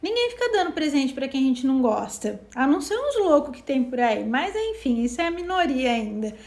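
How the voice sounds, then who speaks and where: A woman co-hosts a self-help live talk about self-knowledge, explaining things casually and animatedly acting out little dialogues. Her voice sits high and moves fairly quickly, with a reverberant sound.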